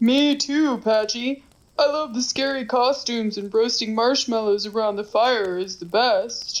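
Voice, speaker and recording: A put-on character voice at a moderate pace. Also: female-sounding voice, fairly high pitch for a woman. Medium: audio drama.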